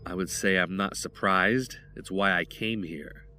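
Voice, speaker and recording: A man's voice: deep voice, a little slow, pushed and bright, soft background music. An actor playing an agitated, frightened young man in an audio drama, speaking urgently and earnestly. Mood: uneasy confession. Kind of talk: full-cast audio drama acting.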